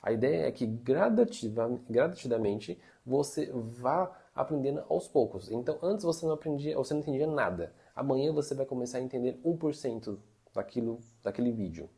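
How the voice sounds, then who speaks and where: A man gives language-learning advice in a relaxed, chatty teaching monologue. His voice carries a gravelly fry and a mellow, dark tone, and he leans on little fillers as he explains. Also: medium pitch, brisk. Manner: chatty, uses many fillers like "né" and "tá". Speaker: Mandarin teacher. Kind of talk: casual teaching monologue to camera.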